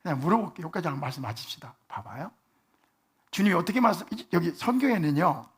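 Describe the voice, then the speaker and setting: A husky-voiced male pastor delivering a sermon in a church, fairly high for a man. He talks in an easy, conversational manner and keeps prodding the congregation with questions. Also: expressive, fast talker. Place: church sanctuary.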